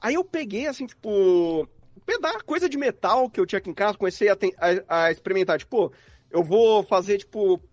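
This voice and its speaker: A man with a Brazilian accent, a guest sound designer, chats casually in an interview about his craft, acting out his thought process. His high-pitched voice is expressive and a little fast, and the recording is dry.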